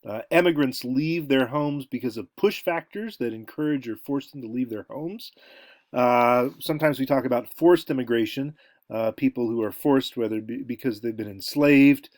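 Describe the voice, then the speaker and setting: A man's voice: medium pitch, moderate pace, a little mellow. An American man lectures in a loose, conversational manner, thinking aloud and wandering into asides. His voice sits in an ordinary middle range. The recording is dry, with no room echo. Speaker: college lecturer.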